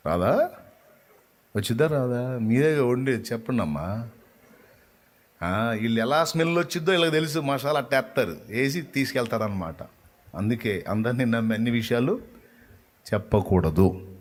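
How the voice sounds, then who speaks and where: A man with a medium-pitched voice delivers a sermon as a preacher. He tells his story with passion and keeps asking the listeners rhetorical questions. He repeats key lines over and over for emphasis. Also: lively intonation, moderate pace, long pauses.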